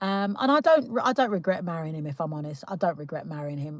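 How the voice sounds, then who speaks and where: A woman speaks with a London accent. Her voice is very deep and low. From UK, British Jamaican. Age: 40s. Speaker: livestreamer. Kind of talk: casual chat. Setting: livestream. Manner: animated.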